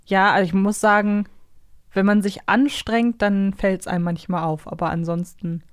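A woman hosts a podcast in a chatty, carefully articulated way, with a slight northern German accent. Her voice sits at a medium pitch and is recorded close and dry. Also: steady tone, normal speed, smooth, dry recording. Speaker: podcast host. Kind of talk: casual co-hosted chat.

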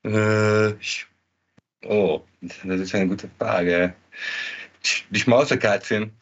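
Slow, halting man. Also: lowish voice, steady tone, highs cut off. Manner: halting, searching for words in non-native speech. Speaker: podcast guest. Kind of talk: casual chat.

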